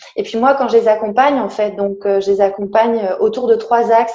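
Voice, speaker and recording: Her fairly high voice stays monotone and flat in intonation while the woman's loudness swings widely at a moderate pace. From northern France, Lille area. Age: 30s. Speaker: life coach. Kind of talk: podcast interview. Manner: hesitant, many filler sounds.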